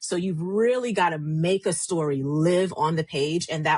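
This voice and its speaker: A woman with an American accent talks at a moderate pace in a somewhat breathy voice. Her fairly low pitch shows ordinary variation. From US South. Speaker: author and spoken word poet. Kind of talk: interview conversation.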